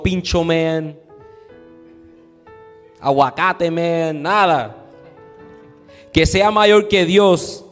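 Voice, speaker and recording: A middle-aged man pastoring a church, his voice sitting fairly high. He drags out important phrases for weight, then rolls into casual storytelling. The room rings with long reverb over faint music. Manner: folksy, slow emphatic delivery. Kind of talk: bilingual storytelling sermon.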